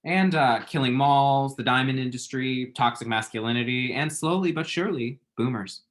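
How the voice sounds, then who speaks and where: A man's voice: medium pitch, moderate pace, natural voice. A man reading the part of a dramatic, self-mocking young gay man, sarcastic and theatrical, at a table read over a call. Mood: rambling.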